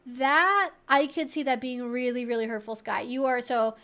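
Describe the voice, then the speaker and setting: A woman's voice: a little high, moderate pace, pushed and bright, smooth. A woman hosting a casual advice livestream, answering questions in a conversational, rambling way peppered with "like" and "you know".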